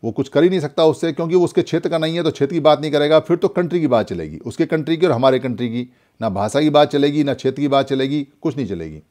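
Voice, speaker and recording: A man's voice: fairly high pitch, animated, quick pace, a little mellow. A man from India giving a spoken Buddhist lesson, preaching with many repeated rhetorical questions. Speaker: Buddhist teacher.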